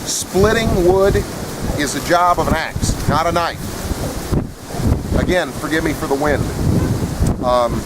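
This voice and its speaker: A man's voice: fairly high pitch, measured pace, long pauses. Plainspoken man reviewing gear in noisy wind. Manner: plainspoken, opinionated. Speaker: product reviewer. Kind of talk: casual unscripted gear review. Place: outdoors in wind. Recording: windy outdoor recording with clear noise.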